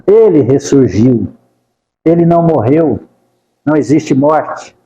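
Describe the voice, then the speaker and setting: A man's voice: fairly high pitch, expressive, slow, warm tone, echoey room, in a large hall, highs cut off. A man giving a devotional talk at a spiritist center, speaking fervent, pleading prayers and repeating the name of Jesus. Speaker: spiritist lecturer.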